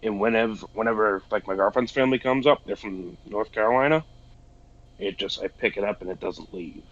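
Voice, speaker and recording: A man's voice: lowish voice, fairly quick, lo-fi sound. A man from Boston chatting casually on a podcast, swearing freely and laughing easily. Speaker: podcast co-host. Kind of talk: casual chat.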